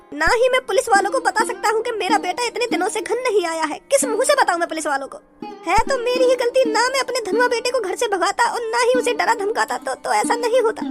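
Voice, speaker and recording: A performer voicing a remorseful cartoon father who weeps over his missing son. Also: extremely high pitch. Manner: weeping and regretful.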